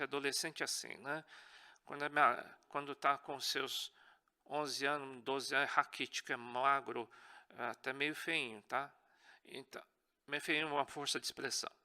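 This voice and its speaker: A man's voice: on the high side, sharp tone. A man with a Brazilian Portuguese accent teaching a church course in an earnest tone, often checking in with his class.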